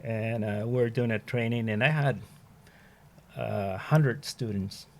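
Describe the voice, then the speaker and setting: Gravelly, rambling retired firefighter. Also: male voice, on the low side, measured pace, darkish tone. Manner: rambling, full of "you know" and restarts. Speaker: retired firefighter and fire training instructor. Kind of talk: casual conversation.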